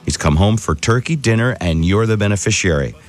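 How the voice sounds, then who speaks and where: Man, middle-aged, radio host, low voice, lively swoops, wry teasing tone. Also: a little fast, faint music behind. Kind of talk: morning radio talk. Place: radio studio.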